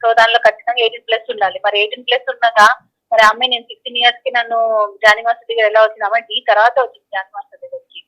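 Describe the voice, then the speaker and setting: A woman's voice: a little high, flat delivery, very fast. A woman answering questions in a phone interview, speaking insistently and repeating her phrases. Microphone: phone call. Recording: tinny telephone line.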